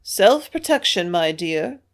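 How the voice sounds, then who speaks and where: A frail, ancient Martian elder, read by a woman, speaks in a high, quavering voice. He stays calm and earnest, gently persuading his listeners toward a cold decision. An audiobook reading. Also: slow pace, exaggerated voice. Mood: calmly persuasive. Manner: soft-spoken, coolly persuasive.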